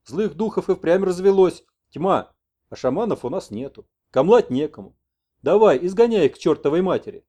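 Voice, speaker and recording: A man's voice: sits high, lively intonation, normal speed, dark tone, pitched above the performer's own voice. A man doing a chatty old village granddad. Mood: folksy. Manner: folksy, colloquial.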